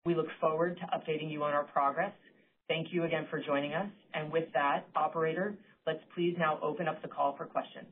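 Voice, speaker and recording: A woman finance executive reading prepared earnings call remarks in a formal, measured way. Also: deep voice, steady tone, a little hiss or hum. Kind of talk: scripted earnings call presentation. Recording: narrowband conference phone line.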